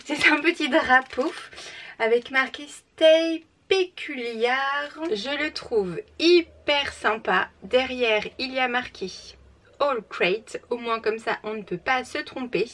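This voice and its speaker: Young woman vlogger, bright higher voice, chatty and enthusiastic, a little off-mic with faint room noise. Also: unhurried, far from the mic. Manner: chatty, enthusiastic, frequent "euh" fillers. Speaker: book unboxing vlogger. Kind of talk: casual unboxing chat.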